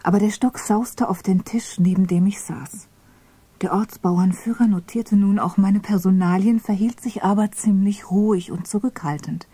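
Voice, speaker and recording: A woman reading a memoir aloud, narrating in a hushed, mostly whispered voice. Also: mid-range voice, steady tone, moderate pace, breathy edge. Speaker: reader of a memoir.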